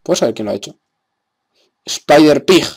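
A man's voice: fairly high pitch, animated, normal speed, slight background noise. A young man with a Spain Spanish accent giving gameplay commentary, sarcastic and exasperated, with frequent cursing. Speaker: gamer.

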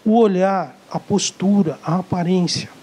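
A man's voice: high-pitched, unhurried, darkish tone, breathy edge, low-quality recording. A man with a Brazilian Portuguese accent giving a live sales-coaching lecture to an audience, emphatic and repetitive, acting out short dialogues. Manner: emphatic, repeats key words, acts out dialogues.

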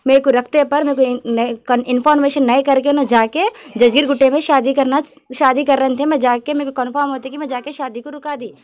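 A woman's voice: high-pitched, steady tone, fast. A woman giving spoken testimony as a news interviewee.

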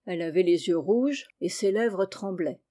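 A woman's voice: fairly low pitch, moderate pace, warm tone, close to an everyday voice. A woman reading the part of a boastful, eager male police inspector in an audiobook, with self-satisfied storytelling. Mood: pleased.

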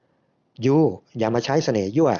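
A brash, bossy male buddy, as a narrator puts him on, blunt and rough as he teases. The voice is raised and pushy over a mellow base tone, and the recording sounds slightly muffled. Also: mid-range voice, measured pace, lightly acted. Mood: teasing.

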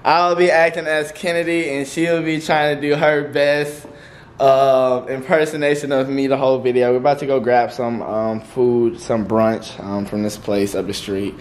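A man's voice: mid-range voice, flat delivery, moderate pace. A young man hosting his vlog in casual, slangy chat, talking straight to his viewers. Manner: laid-back slangy chatter, calls viewers "y'all". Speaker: YouTuber host.

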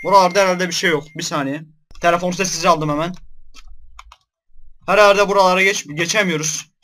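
Young male gamer, high bright voice, scared yelps between jokes, horror let's play. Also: steady tone, a little fast. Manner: jumpy, shouts in fright then jokes. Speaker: gaming YouTuber.

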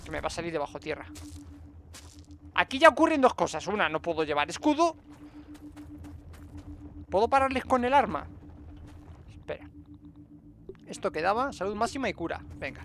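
A man giving excited gameplay commentary as a streamer, repeating words in quick bursts and talking to himself and his viewers. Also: high voice, a little hiss or hum. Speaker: gaming streamer.

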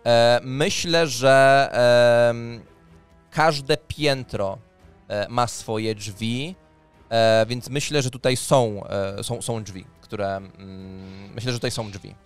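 A man narrating a tabletop role-playing game as game master, pausing deliberately as he describes scenes. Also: medium pitch, fairly even intonation, clean tone. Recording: music under the voice. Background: background music.

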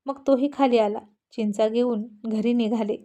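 Warm-voiced woman reading a serial story. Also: on the high side, steady tone, normal speed.

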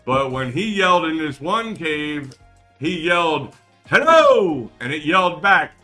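An older man chatting on a podcast, a long-winded and animated storyteller who breaks into loud outbursts. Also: a little high, moderate pace, faint music behind. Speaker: podcast guest. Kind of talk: casual podcast chat.

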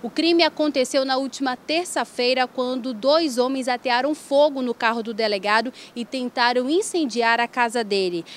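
A woman field reporter giving a brisk, factual news report. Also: fairly high pitch.

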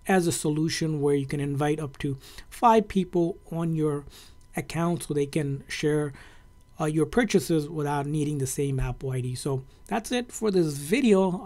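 A tech tutorial host with a soft-edged, mellow voice at a medium pitch. The delivery is casual and conversational, explaining things informally and circling back over points.

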